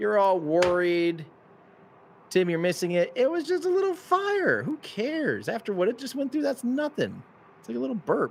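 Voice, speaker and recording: Moderate pace amid noticeable background noise. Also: man. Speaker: space livestream host. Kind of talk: live stream commentary and Q&A. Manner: casual, halting with fillers.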